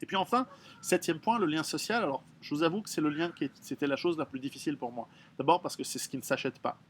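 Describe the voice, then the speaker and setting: A man's voice: on the high side, fast, fairly bright tone, slight background noise. A middle-aged man, an author talking through his readers' questions in a frank, blunt way, with many halts and restarts. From Switzerland. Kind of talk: casual spoken monologue.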